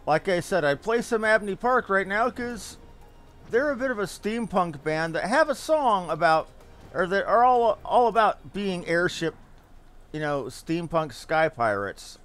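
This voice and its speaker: A man's voice: high voice, big pitch swings, a little slow, a bit bright, soft background music. A man giving casual commentary as a video game streamer.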